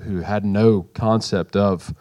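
A middle-aged man sharing a comment in a group discussion, halting and repeating words as he thinks. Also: on the low side, fairly even intonation, a little mellow. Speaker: participant in the group.

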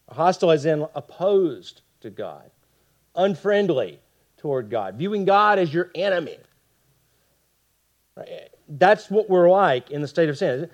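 A man teaching a Bible study to a group, talking fast and often checking in with his listeners. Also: a little high.

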